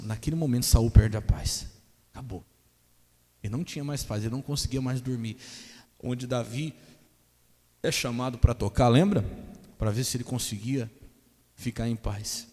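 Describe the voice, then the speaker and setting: A pastor preaching a sermon emphatically, asking the congregation rhetorical questions. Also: male voice, medium pitch, a little mellow. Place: church. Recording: echoey church hall.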